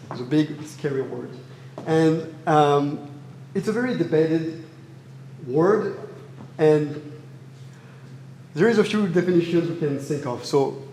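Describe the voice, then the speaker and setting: A man's voice: a little high, a little mellow, a little hiss or hum. A young man from France with a French accent, giving an academic thesis presentation in an earnest way with frequent fillers and restarts. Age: young adult. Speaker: student presenter. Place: echoey university hall. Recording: roomy hall reverb, faint ambience.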